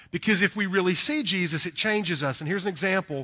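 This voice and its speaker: A man with a Southern US accent talks at a fairly quick pace in a bright, sharp tone with ordinary pitch variation. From US South. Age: 40s. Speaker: preacher. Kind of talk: sermon. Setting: church.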